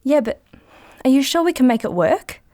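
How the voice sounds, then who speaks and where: Eager British female co-host, slightly high voice, dry teasing banter, naturalistic audio drama over music. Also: sing-song, moderate pace, dark tone. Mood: wry, excited. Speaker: podcast co-host.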